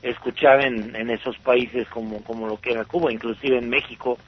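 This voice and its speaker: A man in his sixties, born in Bulgaria, telling his story in an interview at an unhurried pace, full of fillers and restarts. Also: mid-range voice, fairly even intonation, husky. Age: 60s. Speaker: interview guest. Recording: dull lo-fi sound.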